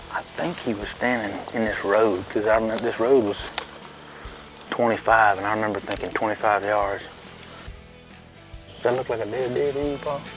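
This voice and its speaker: Over music in the background, a man at medium pitch speaks at a moderate pace with fairly even intonation and long, frequent pauses. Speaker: hunter. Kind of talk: casual chat. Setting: outdoors.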